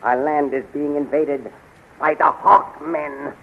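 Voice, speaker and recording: Slow, servile court magician. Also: male voice, a little high, fairly even intonation. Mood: urgent. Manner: formal, servile, deliberate. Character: obsequious, secretly resentful male court magician. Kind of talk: 1930s radio acting. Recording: tinny, crackly 1930s radio recording.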